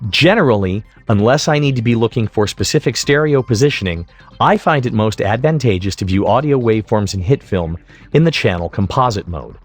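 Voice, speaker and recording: A man giving an explanatory tutorial voice-over as an instructor, speaking in a measured, methodical way. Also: lowish voice, expressive. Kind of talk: explanatory screen-recording narration.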